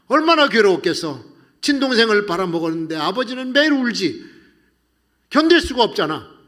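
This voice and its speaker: A male pastor preaching a sermon, telling the story in an animated way that swings between loud passages and hushed ones. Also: sits high.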